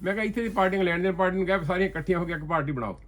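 A man speaks at a rapid clip in a political discussion. His voice sits a little high and he talks emphatically, now and then sinking quieter for an aside. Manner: talks fast, emphatic, often animated, drops low for asides. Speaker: interview guest.

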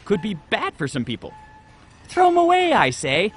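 A man's voice: high voice, huge pitch swings, normal speed, soft background music. A man playing a breezy, obliviously self-assured slacker stock boy in a comedy audio sketch. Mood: breezy, self-justifying.

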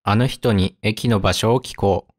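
A man gives a vocabulary lesson in a slightly low voice, repeating each word and example sentence with careful enunciation. The recording is close and dry, with no room sound around him. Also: dry recording. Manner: slow, careful enunciation with repetition. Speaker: Japanese teacher.

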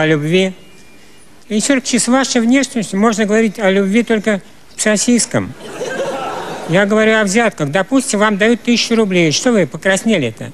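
High-voiced man telling a comic monologue. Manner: deadpan storytelling with quick shifts into voiced characters. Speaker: stand-up comedian. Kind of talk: humorous monologue performed on stage. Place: stage before a live audience. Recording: loud crowd and noise of a live show. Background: laughing audience.

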